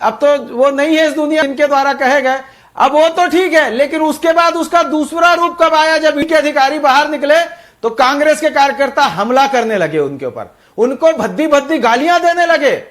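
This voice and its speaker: A man's voice: very high voice, moderate pace, fairly bright tone. A male party spokesperson in a TV debate, combative and accusatory, talking over the others. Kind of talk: heated political debate.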